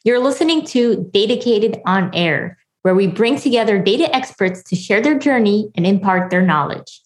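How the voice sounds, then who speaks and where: A woman's voice: mid-range voice, lively intonation, moderate pace. An upbeat woman hosting a live show, chatting easily and laughing between lines. Her voice carries a roomy echo. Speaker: host. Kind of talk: live show, casual chat.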